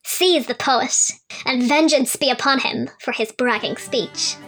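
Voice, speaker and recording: A woman's voice: high voice, normal speed, a bit bright, voice pushed up. A woman voicing a proud, boastful tiny male fairy king who speaks in grand proclamations, with violin music behind. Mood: furious.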